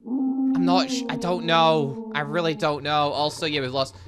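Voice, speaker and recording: A gaming video host giving excitable, rambling let's play commentary, often breaking off mid-sentence with mild exasperation. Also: mid-range voice, a little slow.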